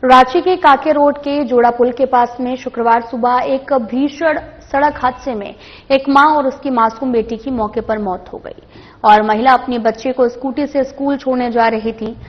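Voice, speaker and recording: Woman anchor reading news, a bit high voiced, dull lo-fi sound, steady formal delivery. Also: moderate pace. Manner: steady formal newsreading with small slips.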